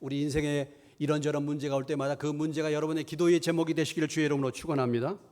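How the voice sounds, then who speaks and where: A middle-aged man preaches in a church, his voice sitting a little high for a man. He keeps asking rhetorical questions. He drops into near-whispered asides, then rises to loud, emphatic lines. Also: little pitch movement, racing. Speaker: pastor. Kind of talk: sermon. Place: church sanctuary.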